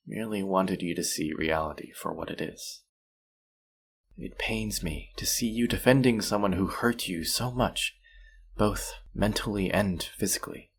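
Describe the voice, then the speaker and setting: Audio drama villain, male actor: low-pitched, possessive captor, measured and coaxing, smoothly condescending. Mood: tender, intense. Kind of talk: scripted roleplay audio drama.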